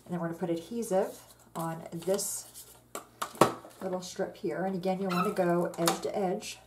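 A woman with a lowish voice hosts a card-making tutorial at a craft table indoors, talking at a normal pace over heavy background noise. She's chatty and relaxed, walking through each step with plenty of fillers in a casual crafting demo. An overhead camera on the tabletop shows only her hands.

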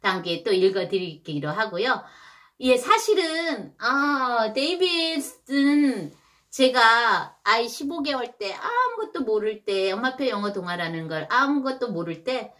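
A chatty mother in her thirties talks parents through a picture book, full of fillers and questions to her listeners. Her voice is bright and higher than most, moving lively up and down. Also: a little slow. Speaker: mother teaching English picture-book reading. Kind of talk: casual explanatory talk to parents.

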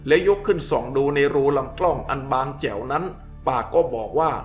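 Man narrating a story over soft music. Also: fairly high pitch, a little fast. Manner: steady, descriptive reading.

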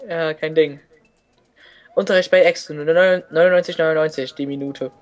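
A man's voice: on the high side, steady tone, moderate pace. A man co-commenting a let's play, joking and rambling in casual gaming chat.

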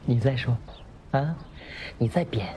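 Actor as shifty boss in a noisy room. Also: male voice, medium pitch, lively intonation, a little slow, mellow, close to an everyday voice. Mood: probing. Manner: evasive, conspiratorial. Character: scheming, shifty company boss, a man. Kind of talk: film dialogue.

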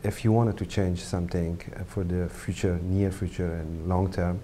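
A middle-aged man from Afghanistan, a photographer, speaking English as a second language in a halting interview to camera with many pauses and fillers. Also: low voice, little pitch movement, mellow, slight background noise. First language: not English. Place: indoor studio set with brick wall.

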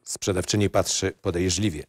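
A man's voice: low-pitched, fairly even intonation, normal speed, no echo. A man narrating a screenplay in short, matter-of-fact phrases. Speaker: narrator reading stage directions. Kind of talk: scripted narration, screenplay reading.

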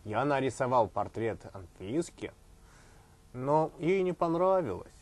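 Brief: male actor as a sheepish little mouse puppet for kids' TV, breathy, bouncy intonation. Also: medium pitch, sing-song, measured pace, a little mellow. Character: young male mouse puppet, naive and apologetic.

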